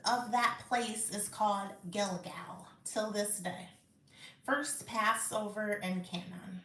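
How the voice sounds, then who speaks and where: Woman, live Bible reading, slow careful delivery, echoey room. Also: mid-range voice, a bit bright. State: out of breath.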